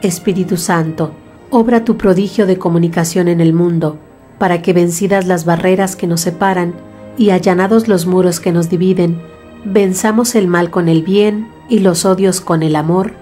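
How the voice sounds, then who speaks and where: A woman reciting a prayer in a calm, devout manner. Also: fairly low pitch, moderate pace, soft background music. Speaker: prayer reader.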